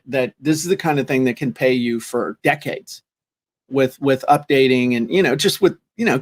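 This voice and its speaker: A man co-hosting a podcast in casual chat, rambling and joking with lots of restarts. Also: medium pitch. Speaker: podcast co-host.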